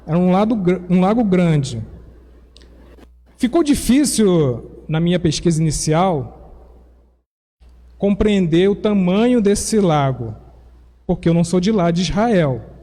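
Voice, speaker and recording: High-voiced Brazilian man preaching in a church. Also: lively intonation, unhurried, long pauses, dark tone. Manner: explanatory, teacherly, with self-corrections. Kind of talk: sermon. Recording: long reverb of a church hall.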